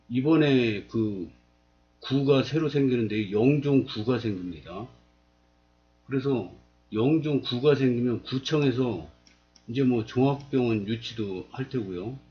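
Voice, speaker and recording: A man in his fifties explains a map to his viewers in a plain, steady voice at a middle pitch. He often asks rhetorical questions and then answers them himself. The recording sounds slightly dull and lo-fi. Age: 50s. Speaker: video blogger. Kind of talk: explaining while pointing at a map.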